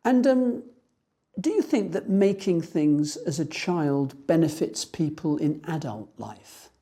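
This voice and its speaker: A woman examiner putting formal interview questions in a measured, procedural way. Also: low voice, animated, mellow, husky. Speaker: speaking test examiner.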